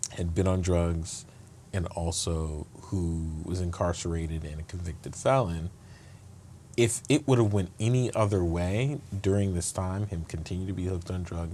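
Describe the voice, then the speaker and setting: Deep-voiced man, earnest and reflective. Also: darkish tone, a little hiss or hum. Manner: earnest, reflective, frequent restarts. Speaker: guest, state attorney. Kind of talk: conversational interview.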